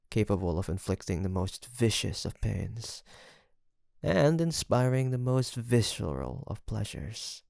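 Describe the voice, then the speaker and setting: Male actor as seductive male demon, gravelly, very dry close recording, theatrical, flirtatious, smug, intimate audio roleplay. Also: lowish voice, a little mellow, dry recording. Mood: boastful, seductive. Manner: theatrical, drawling, flirtatious, with pet names. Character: seductive, teasing male incubus demon, smug and sweet-talking.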